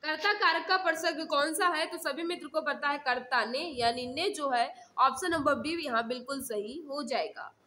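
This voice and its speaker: A woman's voice: sits high, sharp tone. A woman teaching an online exam class, reading out questions and explaining answers, repeating key phrases for her viewers. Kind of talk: live mock-test lesson, reading questions and explaining answers.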